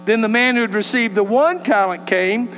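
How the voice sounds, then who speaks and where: A man's voice: high-pitched, moderate pace, a bit bright, big-room sound, slight background noise. A man with a West Texas accent, preaching and praying as a pastor in a folksy, earnest way. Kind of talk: sermon with prayer and scripture reading. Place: church sanctuary.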